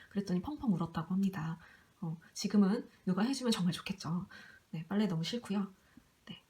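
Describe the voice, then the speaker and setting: A young woman giving an online lecture, talking quickly and chattily, often acting out short quotes as she explains. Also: mid-range voice, a little mellow. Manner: fast, chatty teaching with acted quotes.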